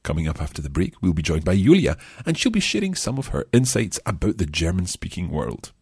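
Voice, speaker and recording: Low husky man hosting a language lesson. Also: wildly swooping pitch, brisk, darkish tone. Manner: careful, enunciating learner pronunciation. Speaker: language course host. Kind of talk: podcast language lesson, repeating phrases slowly.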